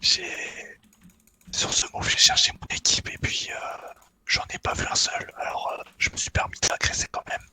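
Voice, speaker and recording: A man whispering casual gaming chat close to the microphone in a terse, deadpan way. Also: moderate pace. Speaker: duo gaming partner. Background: computer keyboard typing.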